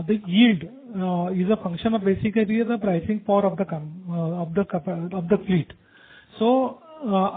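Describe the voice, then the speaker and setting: A man with an Indian accent and a distinctly high voice answers investor questions as a company executive. His manner is explanatory, and the sound is that of a narrow, tinny conference phone line. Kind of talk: earnings call answers.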